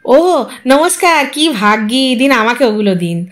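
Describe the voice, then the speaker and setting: A woman's voice: high voice, very animated, unhurried, faint music behind. A woman voicing a scrawny, money-grubbing poor husband who fawns, whines and haggles in an audio story. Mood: obsequious whining. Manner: obsequious, whining, haggling.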